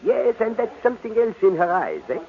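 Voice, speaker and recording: An actor playing a courtly, observant detective in an old radio drama, with a French accent and a theatrical, musing way of talking. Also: male voice, sits high, sing-song, a little fast. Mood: knowing, wistful. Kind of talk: 1940s American radio drama acting. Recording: tinny, narrow-band old radio recording.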